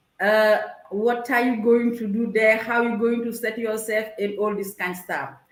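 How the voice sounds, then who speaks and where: A woman with a fairly high voice speaks at a moderate pace and fairly even intonation, with audible room echo around her. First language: French. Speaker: agribusiness founder. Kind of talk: interview. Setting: live stream.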